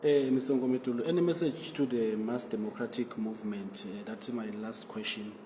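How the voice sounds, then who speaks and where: A man's voice: mid-range voice, brisk, dark tone, a little hiss or hum. A man with a Swazi accent asking interview questions in tentative, hesitant phrasing.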